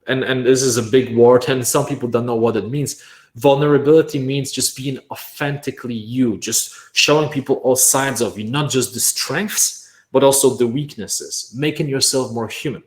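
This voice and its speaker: A man from Poland, Polish his first language, giving an energetic online workshop on making courses, stressing points with "right?" and repeated "bam". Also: mid-range voice, moderate pace, echoey room.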